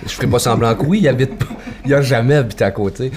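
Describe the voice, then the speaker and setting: A man's voice: mid-range voice, quick pace, background noise. A man with a Québécois French accent, speaking as a storyteller guest in a casual conversation. He talks in an easygoing, folksy way with loose fillers.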